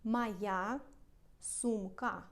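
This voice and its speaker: A woman teaching a language lesson, spelling out and repeating words slowly for beginners. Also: medium pitch, fairly even intonation, gravelly. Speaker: Russian teacher.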